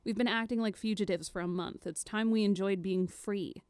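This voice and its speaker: A medium-pitched, closely recorded female voice from an actress plays an impulsive young runaway in an audio drama. She is assertive and brisk, with an upbeat, sarcastic edge. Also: fairly even intonation, darkish tone, clean tone, no room sound, close to an everyday voice.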